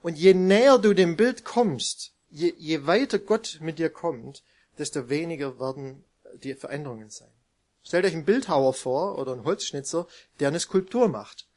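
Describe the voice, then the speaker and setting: A man's voice: on the high side, expressive, moderate pace, a little mellow. A man preaching a sermon to his congregation in a conversational way, often putting questions to his listeners.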